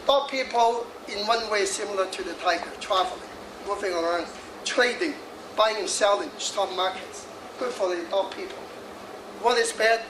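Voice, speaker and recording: Captured from a distance in an echoey, noisy hall, a man in his sixties with a high voice delivers a jokey feng shui lecture at a moderate pace. He laughs frequently and chats with the audience between points.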